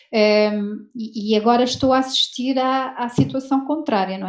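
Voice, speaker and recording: Fairly even intonation from a woman, moderate pace, noticeable background noise behind her. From France, moved to Portugal as a teenager. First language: French (speaking Portuguese). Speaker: translator and language trainer. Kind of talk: webinar panel discussion. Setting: video call.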